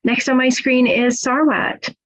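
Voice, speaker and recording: A woman's voice: sits high, flat delivery, a little slow, rough recording. A woman moderating an online student panel in a friendly, encouraging way. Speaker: webinar moderator.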